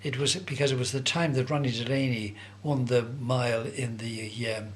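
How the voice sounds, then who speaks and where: A man's voice: medium pitch, fairly even intonation, normal speed, slight background noise. An older man with a Dublin accent, casually reminiscing in a conversational, hesitant way as he searches for words. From Dublin, Ireland. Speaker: interviewee recalling his youth.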